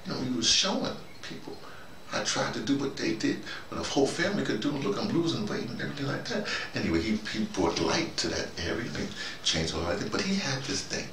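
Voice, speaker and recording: An older American man giving a rambling, halting conversational monologue, repeating himself and speaking colloquially with emphasis. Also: medium pitch, sing-song, a bit bright. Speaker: host, storytelling activist. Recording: noisy, roomy, distant microphone.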